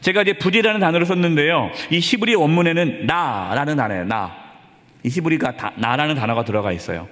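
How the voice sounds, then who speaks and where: A man who is a pastor, preaching a sermon emphatically, with dramatic pauses, in a church sanctuary. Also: on the high side, lively intonation, a bit bright, long reverb tail.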